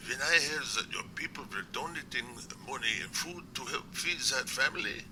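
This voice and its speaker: A man playing an earnest, courteous doctor in an amateur audio drama, speaking in a formal, measured way. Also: medium pitch, close to an everyday voice. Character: earnest, courteous male doctor, secret Sasquatch researcher. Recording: clear background noise.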